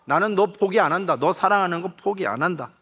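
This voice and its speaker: An impassioned middle-aged stepfather, as a preacher acts him out, swears he will never give up his love. He speaks in thick Gyeongsang dialect, slow and pleading, climbing high into shouts. The voice sits well above a man's usual pitch. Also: expressive, slightly rough, heavily acted.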